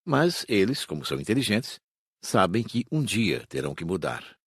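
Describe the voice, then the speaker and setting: A man with a Brazilian accent playing a calm, wise spirit teacher in an audiobook, explaining things in a measured, didactic way. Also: deep voice, breathy edge, no echo, clean studio sound, heavily acted. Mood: patient, didactic. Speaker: audiobook voice actor. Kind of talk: audiobook dramatised reading.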